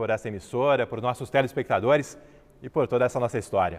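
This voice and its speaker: A normal speaking voice at a fairly quick pace. Its pitch variation is ordinary. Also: man. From Paraná, Brazil (Campo Mourão). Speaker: TV news anchor. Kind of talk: live TV news chat.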